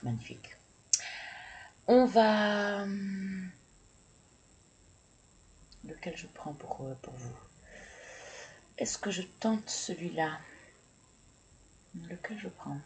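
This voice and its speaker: A woman's voice: lowish voice, expressive, takes it slowly, long pauses, slight background noise, rough recording. A woman doing a casual card-reading video, hesitant and stammering as she thinks aloud. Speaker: tarot and oracle card reader.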